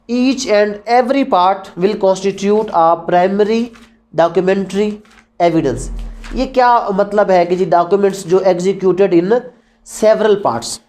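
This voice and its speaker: A woman's voice: medium pitch, mellow. A woman with a Pakistani accent lecturing as a law teacher, posing questions and answering them herself, mixing Urdu with English terms. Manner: didactic, asks questions then answers them.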